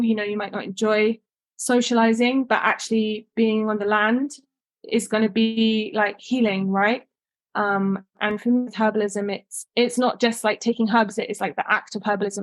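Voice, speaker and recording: A woman's voice: a little high, dry recording. A woman herbalist giving an informal webinar talk over a video call, casual and full of fillers like "like" and "um". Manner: casual, filler-heavy with frequent "like" and "um". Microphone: video call microphone.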